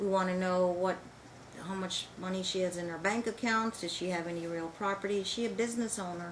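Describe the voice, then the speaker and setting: A woman with an unremarkable speaking voice talks at a fairly quick pace with fairly even intonation. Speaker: family court judge. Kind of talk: courtroom hearing.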